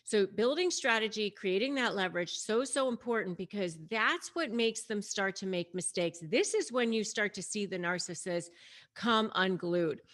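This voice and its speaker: A woman with a medium-pitched voice speaks as a host and coach, explaining things in a casual, conversational way. She stresses her points and talks directly to the listener as she tells the story. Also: moderate pace, a bit bright. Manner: conversational, emphatic, addresses the audience directly. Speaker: host and coach giving advice on narcissists. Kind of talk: casual explanatory commentary to camera, retelling a story.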